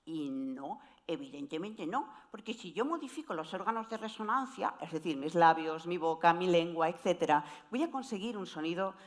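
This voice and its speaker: A woman giving an explanatory presentation talk on voice, with wide, lively swings in pitch. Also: normal speed, hardly any pauses. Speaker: voice coach speaker.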